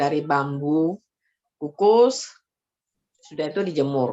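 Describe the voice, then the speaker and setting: Speaking very slowly with a Mandarin accent, a woman uses a very deep, low pitch and ordinary pitch variation. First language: Mandarin (speaking Indonesian). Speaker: health product seller and online class teacher. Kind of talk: online class presentation. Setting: video call. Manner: hesitant, many fillers.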